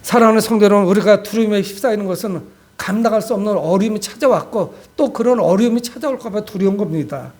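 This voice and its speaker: Guy pastor preaching to his church, pretty high voice, urging people on and asking rhetorical questions. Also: fast talker, darkish tone. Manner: exhortative, addresses listeners often with rhetorical questions. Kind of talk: sermon to a congregation.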